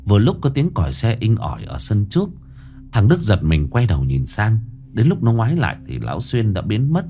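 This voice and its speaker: A man's voice: on the low side, wildly swooping pitch, brisk, dark tone, faint music behind. A man narrating a horror story in a dramatic, ominous scripted reading.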